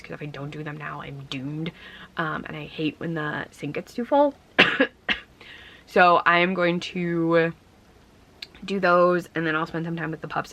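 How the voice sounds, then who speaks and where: A young woman chats casually to her camera, rambling with plenty of ums. She sounds congested and worn out, with a bright, forceful edge to her voice. Her pitch sits a little low for a woman. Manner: rambling, conversational, frequent ums. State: congested and tired. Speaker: vlogger. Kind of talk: casual vlog chat.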